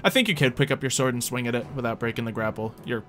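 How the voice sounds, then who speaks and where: A man casually running a tabletop roleplaying game as game master, in an animated, informal manner. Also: mid-range voice, racing, music in the background.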